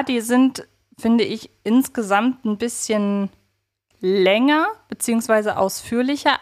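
A woman co-hosting a podcast in casual chat, talking reflectively and thinking aloud. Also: a little high. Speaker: podcast co-host.

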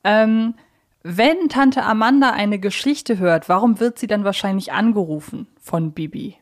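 A woman's voice: medium pitch, a little slow. Woman, mid-range voice, chatty podcast host, conversational quiz banter.

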